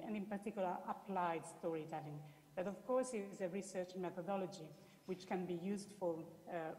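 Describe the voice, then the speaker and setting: A woman's voice: on the low side, darkish tone. A woman with an Italian accent giving an explanatory presentation as an academic researcher, often restating her words. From Italy. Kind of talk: spoken presentation with slides. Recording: echoey hall with long reverb.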